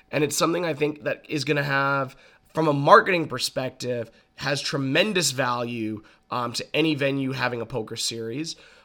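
Here a man speaks with a bright, sharp tone at a fairly high pitch. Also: ordinary pitch variation, moderate pace. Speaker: poker podcast host. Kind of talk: solo podcast monologue. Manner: less enthusiastic.

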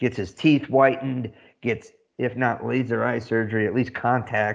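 A man with an ordinary speaking voice and medium pitch talks at a moderate pace with ordinary pitch variation. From Upstate New York (Utica). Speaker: podcast co-host, military veteran. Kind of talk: casual chat.

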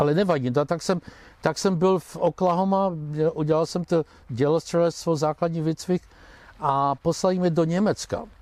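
A man speaks in a high voice at a moderate pace, his intonation fairly even, recorded with a dry, close sound and no echo. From Czech Silesia, near Opava. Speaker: emigrant telling life story. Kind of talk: interview, life story. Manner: halting, many repetitions.

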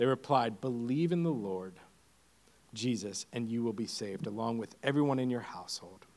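In a Pennsylvania accent, a man with a medium pitch talks at a moderate pace with ordinary pitch variation. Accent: Pennsylvania American, non-Maine. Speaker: guest preacher. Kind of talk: sermon. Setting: church. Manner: friendly, joking.

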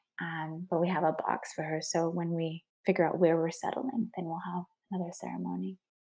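At a fairly quick pace, a woman with a western Canadian accent speaks in a fairly low pitch, with a dark, mellow tone and fairly even intonation. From Vancouver, Canada. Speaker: grief and life coach. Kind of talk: personal testimony.

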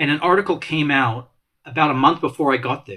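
At a fairly quick pace, a man talks with a bright, sharp tone and a fairly high pitch. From Malta. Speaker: comics journalist. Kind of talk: interview conversation.

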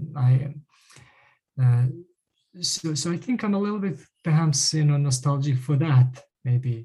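A man with a dark, mellow tone and a somewhat breathy voice talks at a fairly slow pace. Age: 40s. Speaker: writer. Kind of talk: interview. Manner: halting.

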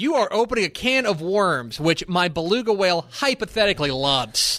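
In a raised, projected voice with a bright, sharp tone, a man speaks at a high pitch while holding his loudness very even. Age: 30s. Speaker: podcast co-host. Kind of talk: prepared reflection on a topic; casual chat. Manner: halting.

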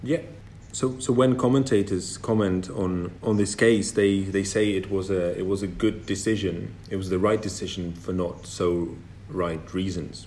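A man with a fairly low pitch speaks at a moderate pace. Audible room echo surrounds his voice. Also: ordinary pitch variation. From Czech Republic, Prague. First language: Czech. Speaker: arbitration lawyer and podcast editor. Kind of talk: casual chat. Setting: video call.

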